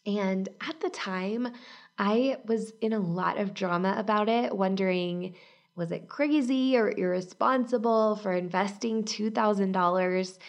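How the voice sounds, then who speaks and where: A woman in her thirties hosting a casual solo podcast, upbeat and chatty, her voice husky from a cold. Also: mid-range voice, measured pace. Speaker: podcast host and business coach.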